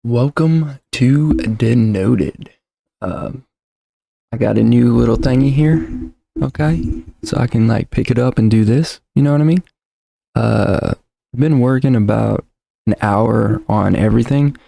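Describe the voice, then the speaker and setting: Gravelly-voiced man rambling on a livestream. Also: mid-range voice, measured pace, dark tone, no room sound. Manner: rambling, self-deprecating, many fillers and restarts. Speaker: livestream host. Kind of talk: casual livestream chat. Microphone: desk mic with shock mount.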